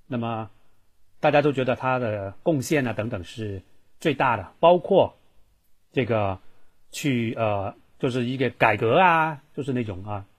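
A man's voice: mid-range voice, lively intonation, measured pace. Fields: Sex: man. Role: Thai language teacher. Style: live online voice-class lesson. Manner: chatty and repetitive, keeps asking the class questions. Mic: computer microphone. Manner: chatty, repeats himself, asks the class questions.

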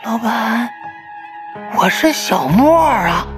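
A man voicing an eerie young man who visits in a dream, speaking slowly in a whispery, unsettling way. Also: extremely high pitch, very animated, music in the background, voice pushed up, exaggerated voice.

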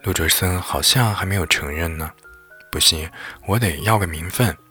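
A man voicing a cheeky, clingy high-school girl, talking in a whiny, playful way, with husky breath. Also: moderate pace, bright, forceful tone, faint music behind, full character voice. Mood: determined.

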